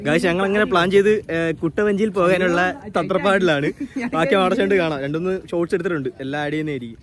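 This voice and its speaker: Fast-talking Kerala man mixing Malayalam and English. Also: high-pitched. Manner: mixes English words into Malayalam. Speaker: vlogger. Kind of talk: casual vlog chat to camera and friends. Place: outdoors at a waterside tourist spot. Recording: outdoor crowd and vehicle noise.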